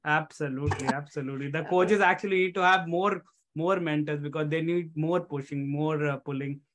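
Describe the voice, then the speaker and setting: Male guest coach, 30s, Indian accent, fairly high pitch, conversational interview delivery with repeated emphatic phrases. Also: fairly even intonation, fairly quick, fairly bright tone, slight background noise. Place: home room on a video call. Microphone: headset.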